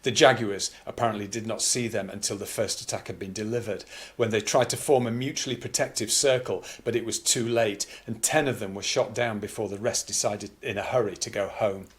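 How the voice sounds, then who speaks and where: A man's voice: on the low side, fairly even intonation, a little fast. A man presenting, reading old news aloud and adding conversational, explanatory asides. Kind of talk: reading aloud with informal commentary.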